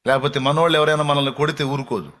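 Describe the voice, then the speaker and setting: A man preaching a sermon as a pastor, talking in a conversational way full of rhetorical questions, dropping into soft low asides and rising into pleading exclamations. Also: fairly even intonation, fast.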